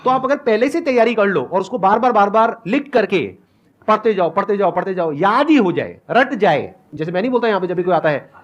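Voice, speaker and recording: A man's voice: high-pitched, expressive, fairly quick, lo-fi sound. A man hosting a live event, chatting and explaining in a loose, self-mocking way. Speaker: host.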